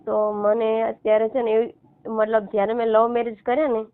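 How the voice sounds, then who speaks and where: A woman's voice: fairly high pitch, level tone, a little fast, clean tone. Gujarati woman caller on a muffled phone line. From Gujarat, India. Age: 30s. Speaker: caller seeking help. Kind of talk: casual phone conversation.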